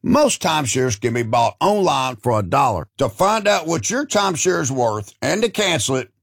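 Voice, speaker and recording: A man with a gravelly, husky voice speaking bluntly and emphatically as a company founder in an ad. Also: medium pitch, sing-song, moderate pace, no room sound, studio quality. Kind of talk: testimonial-style ad.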